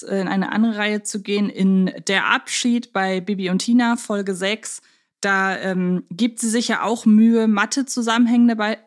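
A woman co-hosts a relaxed fan podcast. She talks in a chatty, reflective way, working out her thoughts as she speaks. The tone is conversational and lightly humorous. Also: mid-range voice. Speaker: podcast host.

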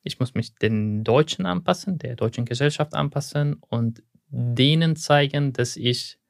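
A man's voice: mid-range voice, a little slow, vocal fry, no room sound, clean studio sound. A young man from Syria, born to another language and speaking, answering interview questions thoughtfully and sometimes searching for words. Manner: thoughtful, searching for words, some slips in German. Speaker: guest.

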